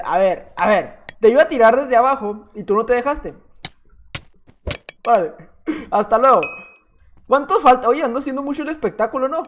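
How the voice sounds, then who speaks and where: A man's voice: very high voice, a little hiss or hum. A man with a Mexican accent giving playful, teasing gameplay commentary as a gaming YouTuber. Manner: playful, teasing, jokey banter.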